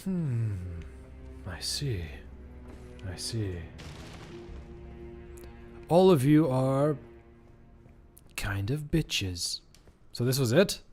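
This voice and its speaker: A man's voice: mid-range voice, big pitch swings, drawn-out words, pauses often, a little mellow, soft background music. A young Portuguese man with a Portuguese accent, rambling and joking as he streams a game. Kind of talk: let's-play commentary.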